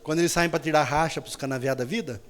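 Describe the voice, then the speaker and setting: A woman's voice: low-pitched, quick pace. A woman gives a humorous Catholic talk, telling stories and teasing her listeners bluntly. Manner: playful storytelling, acts out voices, blunt teasing. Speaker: Catholic lay preacher.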